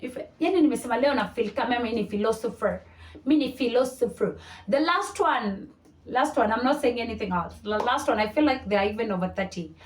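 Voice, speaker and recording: A woman in her thirties talks to camera in a chatty way and repeats her points. Her voice sits fairly high. She sounds set back from the mic in a roomy space. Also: lively intonation, brisk, recorded from a distance. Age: 30s. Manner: chatty, repeats phrases, mixes in Swahili. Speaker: vlogger. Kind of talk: casual talk to camera.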